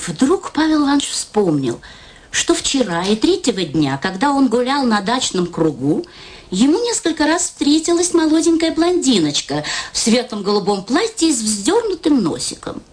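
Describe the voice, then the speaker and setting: A woman narrating a literary story in a radio play, in an expressive storytelling manner. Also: a little high, moderate pace. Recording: radio play with music underneath.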